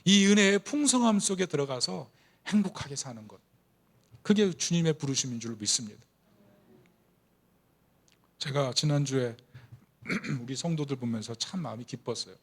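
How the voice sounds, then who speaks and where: Animated middle-aged male pastor preaching. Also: mid-range voice, normal speed, long pauses. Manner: storytelling that builds to fervent, emotional emphasis. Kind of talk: Sunday sermon.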